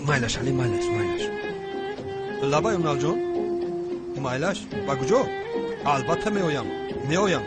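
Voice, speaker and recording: A man's voice: fairly high pitch, lively intonation, loud music behind the voice, natural voice. An actor with a Tajik accent playing a hesitant, easily flustered young man in a dubbed drama. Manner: hesitant, halting. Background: loud background score.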